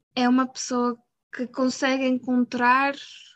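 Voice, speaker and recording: This woman's voice sits high in pitch. She speaks at a very slow pace. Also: dry, close sound with no echo. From Venezuela. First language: Spanish (speaking Portuguese). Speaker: university student. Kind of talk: interview about a book. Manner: hesitant, with repetitions.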